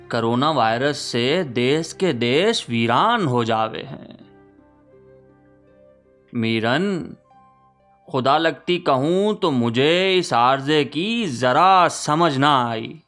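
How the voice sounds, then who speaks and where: Casting: male actor for a witty, lamenting 19th-century poet, courtly and theatrical letter reading, bright higher-set voice, music underneath. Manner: archaic courtly diction, wry, theatrical.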